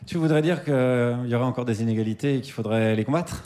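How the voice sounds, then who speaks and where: A man's voice: mid-range voice, fast, mellow. A man hosting a radio show in an ironic tone, laughing as he introduces the next segment. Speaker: host.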